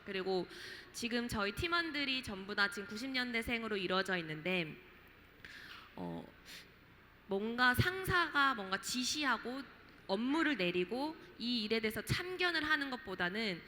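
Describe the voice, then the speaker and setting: Bright-voiced young woman in a reverberant hall. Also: fairly high pitch, sing-song, normal speed, slight background noise. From Jeju, South Korea. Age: late 20s. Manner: chatty, reflective, many fillers. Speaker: panelist, startup founder. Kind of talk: panel talk at a festival. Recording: reverberant hall, faint ambience.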